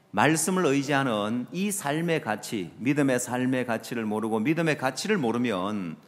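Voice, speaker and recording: A middle-aged male pastor, preaching a sermon with lively rhetorical questions to the congregation and low trailing asides. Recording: long reverb of a large hall.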